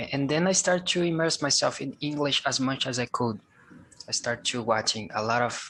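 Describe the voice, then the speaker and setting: A man speaks at a moderate pace with a Portuguese accent, his pitch sitting in the middle range. His tone is bright and sharp, with ordinary pitch variation. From Brazil. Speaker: English learner. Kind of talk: interview. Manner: halting.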